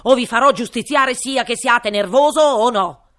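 A bossy king barks commands and threats in a loud, raised storybook voice, as a woman reads him aloud. The voice sits well above her plain tone. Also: medium pitch, animated, normal speed, voice pushed up, lightly acted. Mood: commanding. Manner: shouting commands.

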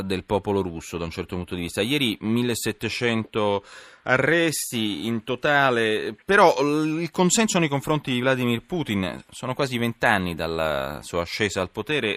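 A man hosting a live radio news interview, speaking in wordy, emphatic phrases with halting turns. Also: fairly low pitch, a bit bright, dry recording.

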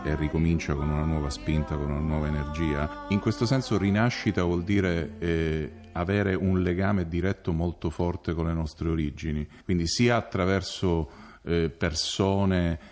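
A man from Sicily, a musician, explaining his work in measured interview talk. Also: deep voice, fairly even intonation, darkish tone, soft background music. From Palermo, Sicily.

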